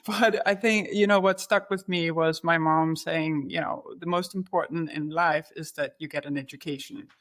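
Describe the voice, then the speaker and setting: A woman's voice: sits low, steady tone, normal speed, a bit bright. A woman from Denmark speaks as a podcast guest from her language. She answers in a conversational interview style, as an executive talking about herself. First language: Danish.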